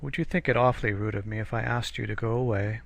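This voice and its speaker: A man voicing an earnest, worried painter who speaks in a hurried, slightly fretful way. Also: on the low side, steady tone, gravelly.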